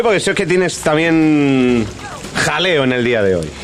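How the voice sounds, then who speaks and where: Audible room echo surrounds this man as he talks, with noticeable background noise underneath. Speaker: radio host. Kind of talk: casual chat.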